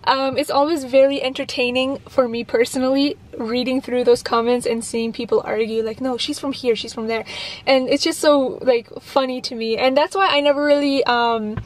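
A woman's voice: sits high, steady tone, moderate pace. A woman of twenty-one, raised in Canada, chatting casually to her viewers from a parked car while answering their questions, full of fillers and restarts. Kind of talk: casual Q&A vlog. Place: parked car, indoors of vehicle. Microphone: camera on dashboard, facing her.

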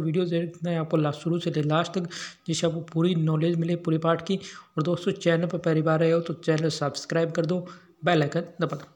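A man with a somewhat high voice teaches a Sanskrit lesson for schoolchildren. He works through the words one after another in a steady drill, giving the Hindi meaning of each. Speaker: teacher running an education channel.

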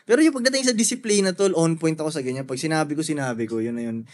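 A man's voice: on the high side, very fast. Laid-back young man in casual talk. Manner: laid-back, slangy, swears often. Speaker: podcast guest. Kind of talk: casual podcast chat.

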